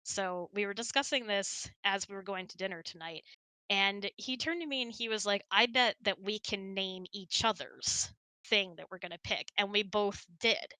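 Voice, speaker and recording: Bright-voiced woman chatting, giggly and rambling. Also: mid-range voice, moderate pace, no echo, poor audio. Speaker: host of an online hangout. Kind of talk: casual chat, storytelling and answering questions.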